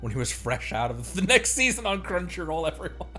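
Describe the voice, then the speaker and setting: A man's voice: high voice, very animated, a little fast, sharp tone. A man giving casual, playful, rambling commentary while livestreaming a video game. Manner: rambling, playful, breaks into mimicry. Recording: faint game music behind the voice.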